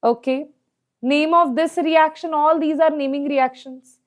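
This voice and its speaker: A woman's voice: sits high, fairly even intonation, a little slow. A woman with a South Asian accent teaching an exam problem lesson step by step, often checking that students follow with short questions. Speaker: chemistry teacher.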